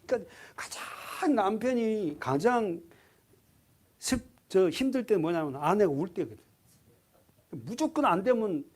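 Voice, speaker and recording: Husky and high-pitched, this pastor delivers an energetic sermon, putting questions to the congregation and performing different voices as he goes.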